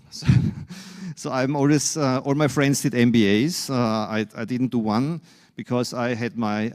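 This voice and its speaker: A man from Austria with an Austrian accent giving a conference keynote, halting with many fillers and restarts, and wry self-deprecating humor. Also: medium pitch, a little mellow. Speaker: keynote speaker.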